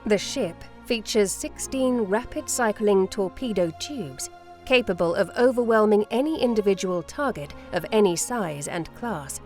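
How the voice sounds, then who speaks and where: A woman reading scripted documentary-style narration in a formal, measured manner. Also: medium pitch, a little mellow. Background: music.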